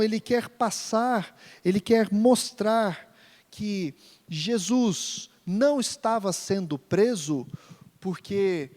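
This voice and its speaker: A Brazilian man with a high, slightly mellow voice preaches an expository sermon in a church hall, speaking emphatically and repeating phrases for stress. The recording carries a long church reverb.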